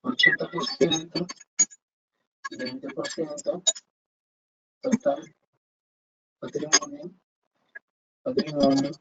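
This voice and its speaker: A man's voice: fairly high pitch, wildly swooping pitch, very slow, long pauses. Guy teaching accounting online, explains step by step, sounds far from the mic. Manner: explanatory, thinking aloud, rhetorical questions. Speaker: accounting instructor. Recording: dull distant mic with faint hiss.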